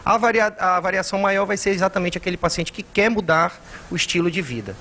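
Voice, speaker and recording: A man from Ceará in Brazil, speaking as a doctor on a television talk show. His voice sits somewhat high for a man, and he explains things patiently and in detail. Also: a little fast, bright, forceful tone, a little hiss or hum. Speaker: doctor, studio guest. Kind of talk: TV interview answers.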